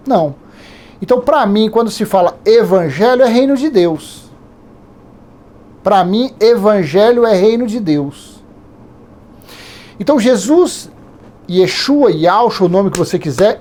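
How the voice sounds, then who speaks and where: A man's voice: high voice, warm tone. Rambling Brazilian man in his fifties. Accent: Brazilian Portuguese. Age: 50s. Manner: rambling, conversational, with digressions and repetitions. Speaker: Bible teacher. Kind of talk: informal Bible study teaching.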